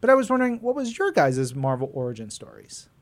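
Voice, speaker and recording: A man's voice: fairly high pitch, very animated, fast. A man chatting casually as a co-host of a podcast.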